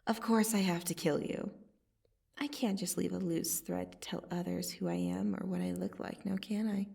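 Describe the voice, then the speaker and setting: Casting: woman to voice female vampire assassin, ASMR audio drama. Gravelly fry, sardonic and casually threatening, slightly off-mic. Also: on the low side, steady tone, mellow, far from the mic, heavily acted. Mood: amused, condescending. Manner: slow, casual, sardonic delivery with long pauses. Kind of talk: ASMR roleplay monologue to the listener.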